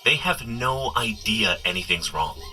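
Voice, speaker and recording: A man's voice: fairly low pitch, expressive, measured pace, bright, forceful tone, faint music behind, full character voice, low-quality recording. A man playing a flustered, wisecracking superhero who rambles sheepishly as he coaches a runner in a comedic audio drama. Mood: sheepish, rambling. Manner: rambling, sheepish, nervously joking asides. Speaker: character guide in an audio running adventure.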